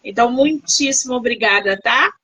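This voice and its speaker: A woman's voice: fairly high pitch, normal speed, pushed and bright, breathy edge, no room sound, rough recording. A woman from Rio de Janeiro hosting a casual live interview over a video call, effusive and full of exclamations. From Rio de Janeiro, Brazil. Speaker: host.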